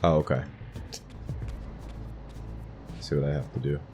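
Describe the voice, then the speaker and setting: Very deep-voiced man musing over a game. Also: steady tone, rapid-fire, darkish tone, faint music behind. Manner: thinks aloud, musing to himself. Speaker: gaming host narrating a playthrough. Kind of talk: casual gameplay commentary.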